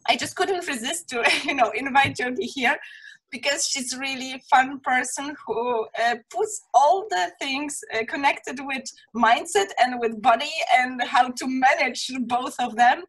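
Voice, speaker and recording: Female interview host, high and slightly raspy, enthusiastic, conversational. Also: unhurried, a bit bright, poor audio. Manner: enthusiastic, informal. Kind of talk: casual interview chat.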